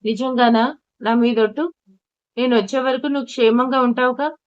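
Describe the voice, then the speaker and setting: A devoted young husband, tearful yet steady, pleading and comforting his frightened wife, as a woman storyteller reads him in her own fairly high voice. It is an audio storybook reading on a dull, lo-fi recording. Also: moderate pace, no echo, natural voice. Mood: tearful reassurance.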